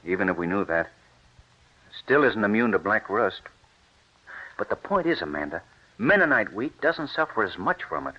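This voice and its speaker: A driven wheat scientist. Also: male voice, fairly low pitch, normal speed, long pauses. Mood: determined. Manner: driven, persuasive, animated. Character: determined wheat scientist husband, middle-aged man. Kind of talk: 1940s radio acting. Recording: dull lo-fi old radio recording.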